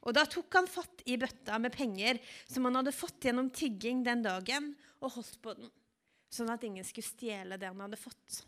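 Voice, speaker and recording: Woman retelling a Bible story from the pulpit. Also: on the high side. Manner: calm, vivid storyteller. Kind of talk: storytelling sermon.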